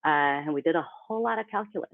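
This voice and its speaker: A woman's voice: mid-range voice, racing, vocal fry. A woman from the Philippines, a company CEO, talking casually as a podcast guest in a chatty, self-deprecating way. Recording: tinny phone-like remote line.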